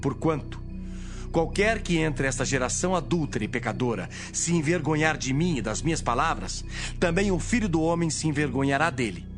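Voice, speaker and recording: A male actor performs a stern male teacher in an audio Bible drama. The delivery is solemn and declamatory, with animated, emphatic swings in pitch. The voice sits fairly high for a man, with prominent music behind it. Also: brisk, natural voice. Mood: solemn, teaching.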